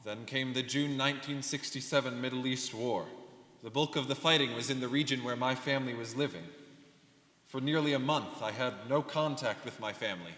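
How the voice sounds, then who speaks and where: A young man of medium pitch acts out a reflective immigrant teacher telling his life. His scripted delivery is steady and solemn, washed in the echo of a large hall. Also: fairly quick, natural voice. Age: young adult. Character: reflective male immigrant alumnus and devoted teacher. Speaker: student performer in a dramatic reading. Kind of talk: scripted first-person dramatic reading. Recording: echoey hall, long reverb.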